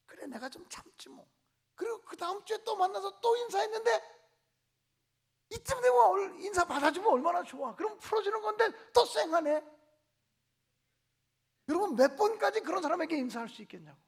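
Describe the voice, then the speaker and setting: A man's voice: extremely high pitch, fairly quick, pauses often. A male pastor preaching a revival sermon in a church, telling stories and acting out the voices of church members. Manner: animated storytelling, voicing church members in dialogue. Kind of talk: revival sermon with acted-out anecdotes. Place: church sanctuary.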